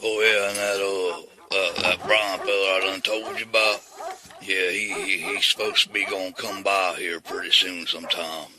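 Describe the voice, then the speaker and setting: A man's voice: sits low, little pitch movement, normal speed, crowd noise, close to an everyday voice, rough recording. A man playing a bickering backwoods husband and grandpappy in a comedic audio drama, folksy and stammering, with a Southern US accent. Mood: sheepish.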